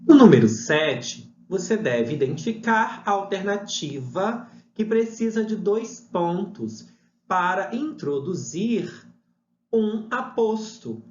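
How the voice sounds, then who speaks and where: A man's voice: sits high, big pitch swings, slow. A man teaching a video lesson, reading example sentences aloud and naming the answers. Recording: roomy, slightly dull, faint noise.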